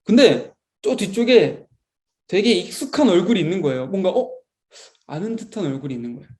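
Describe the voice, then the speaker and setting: A young man, a Sunday school teacher, telling a story to children in a lively, expressive way. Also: sits high, quick pace.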